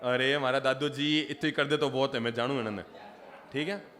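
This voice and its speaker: A man's voice: mid-range voice, steady tone, normal speed, a bit bright. A Jain monk from Rajasthan preaching, joking with and questioning his audience. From Rajasthan, India. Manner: humorous, engages audience directly. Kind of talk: sermon. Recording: long hall reverb.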